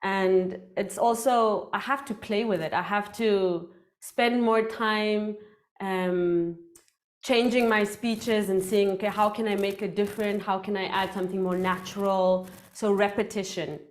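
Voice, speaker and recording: Woman in her 30s, Afrikaans mother tongue, lively speaking-club trainer, medium pitch, headset mic. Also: measured pace. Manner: animated, gestures a lot, playful. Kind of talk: workshop talk on public speaking.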